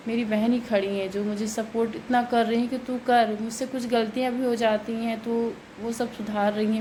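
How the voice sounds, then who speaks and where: A woman's voice: a little high, darkish tone, slight background noise, rough recording. A woman, chatting casually as she cooks in her home kitchen and explains each step. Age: 30s. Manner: chatty, rambling, explains steps while working. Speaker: vlogger. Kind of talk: casual home vlog while cooking.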